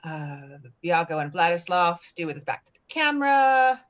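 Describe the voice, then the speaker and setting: A woman reading screenplay directions at a table read in a plain, halting way. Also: on the low side, sing-song, a bit bright. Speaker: stage directions reader. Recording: slightly dull, lo-fi audio.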